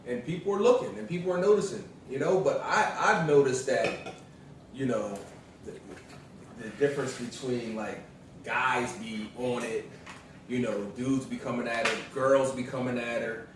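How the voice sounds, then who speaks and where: A man telling stories in casual chat with his partner, relaxed and rambling, full of fillers. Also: medium pitch, moderate pace, slight background noise. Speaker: vlogger's partner. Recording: echoey room, mic at a distance.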